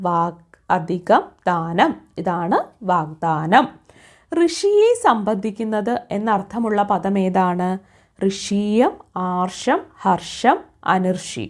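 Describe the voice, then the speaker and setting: Woman as an exam coach, drilling quiz answers by repetition and rhetorical questions. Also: medium pitch. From Kerala.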